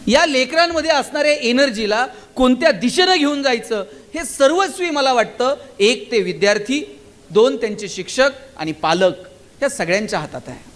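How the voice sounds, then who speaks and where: A man delivers a fired-up motivational speech to a school crowd, and his voice sits unusually high for a man. He drives his points home with one rhetorical question after another. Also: animated, moderate pace, fairly bright tone. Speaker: motivational speaker. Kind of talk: stage speech to students and teachers. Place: school gathering.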